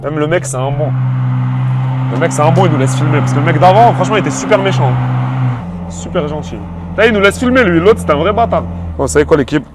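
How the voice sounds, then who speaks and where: A man vlogging casually to camera outdoors, slangy and excitable, calling his viewers family. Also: a little high, quick pace, very noisy. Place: outdoors in a city, around a car pound.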